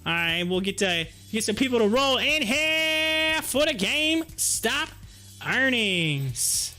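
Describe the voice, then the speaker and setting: High-pitched man livestreaming, bright voice. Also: big pitch swings, slow pace, faint music behind. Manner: chatty, informal, addresses viewers directly. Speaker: livestream host. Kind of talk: casual live stock-chart commentary.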